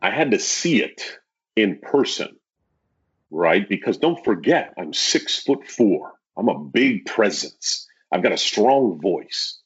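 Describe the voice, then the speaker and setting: A lower-voiced man with a husky grain tells stories from his sales career, throwing his pitch high and low as he plays out the people he has met. He often doubles words as he gets going. The recording sounds dull and lo-fi. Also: slow. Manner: animated storyteller, acts out clients and his old sales pitch, laughs often; repeats words when starting. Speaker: guest real estate agent. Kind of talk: casual interview conversation.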